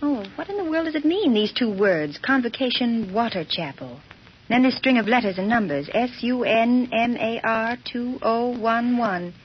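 Curious, eager sidekick, fairly high, dull old radio. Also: female voice, lively intonation, moderate pace, breathy edge. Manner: eager, inquisitive. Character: Margot, quick, curious female assistant. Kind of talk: 1930s radio drama acting. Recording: dull radio recording with faint hiss.

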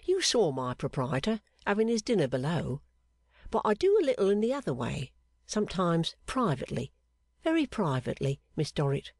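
A narrator voicing an odd, sharp-eyed male clerk who speaks low and confidingly, teasing with questions. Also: wildly swooping pitch, moderate pace, dry recording, studio quality. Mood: sly, confiding. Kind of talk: audiobook character voice.

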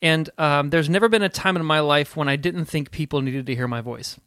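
A man's voice: a little high, a little fast, a bit bright, no echo, studio quality. A man co-hosting a podcast, talking casually with self-deprecating jokes and stammered restarts. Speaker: podcast co-host. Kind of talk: casual interview chat.

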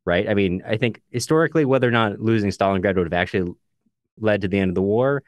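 A man's voice: on the low side, fast talker, dry recording. A man co-hosting a book discussion podcast in a casual, chatty way, sometimes reading out listener comments. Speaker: podcast co-host.

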